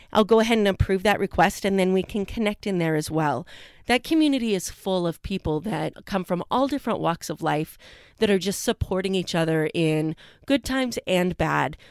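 A woman's voice: medium pitch, a little mellow, clean tone, no room sound. Upbeat woman podcast host, dry sound. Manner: upbeat, chatty. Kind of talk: casual interview.

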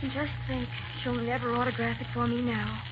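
A woman's voice: on the high side, little pitch movement, brisk, close to an everyday voice. An actress playing an eager, polite young female nightclub photographer with a girlish, earnest manner in a 1940s radio drama. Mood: chatty. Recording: dull, noisy 1940s radio recording.

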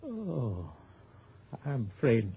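A man's voice: mid-range voice, huge pitch swings, extremely slow, creaky, a little hiss or hum, full character voice. An actor playing an elderly male country doctor who hesitates and stammers, in a 1960s radio drama. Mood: defensive. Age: older. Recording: tinny old radio broadcast.

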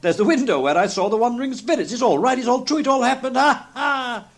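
A man voicing an elderly reformed miser, breathless and exclamatory, repeating himself with excitement in a dramatised storybook reading. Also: very high-pitched, moderate pace, pitched above the performer's own voice. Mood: giddy joy. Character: elderly reformed miser, giddy with joy and gratitude.

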